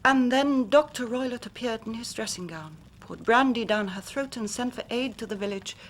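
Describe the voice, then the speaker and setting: A woman's voice: fairly high pitch, normal speed, slight background noise, natural voice. A woman playing an earnest young woman telling a tale. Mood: grave. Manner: earnest, dramatic storytelling with hushed passages. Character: young woman recounting her sister's death. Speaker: client telling her story. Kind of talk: radio drama acting.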